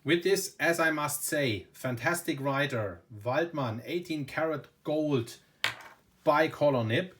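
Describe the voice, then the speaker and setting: A German man speaking English with a German accent, chatting casually and with enthusiasm as he reviews a pen at his desk. He keeps stacking up "very, very" and "you know" in a relaxed, unscripted way. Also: fairly high pitch, slow pace. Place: indoors at a desk.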